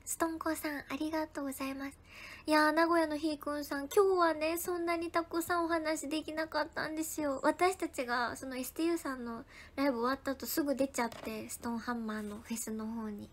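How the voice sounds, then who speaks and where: A young woman with a bright, high voice chats casually with her livestream viewers. She thanks people one by one and keeps dropping into hushed, whispered asides. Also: fairly even intonation, fast. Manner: chatty, thanks viewers by name, drops into soft whispered asides. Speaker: idol livestreamer. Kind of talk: casual livestream chat reading viewer comments.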